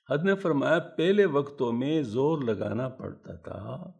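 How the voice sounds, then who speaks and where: Gravelly-voiced man giving a calm sermon. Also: mid-range voice. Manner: calm, unhurried, deliberately not shouting. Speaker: mosque preacher. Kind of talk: Islamic sermon. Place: mosque. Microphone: loudspeaker microphone.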